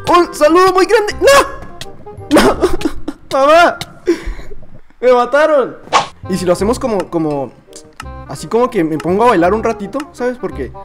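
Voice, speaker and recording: A man with a Mexican accent voicing a naive, boastful little boy, chattering excitedly through comedic gameplay commentary. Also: high voice, fairly quick, faint music behind. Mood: playful. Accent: Mexican Spanish. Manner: childish, excitable, chattering to himself. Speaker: gamer.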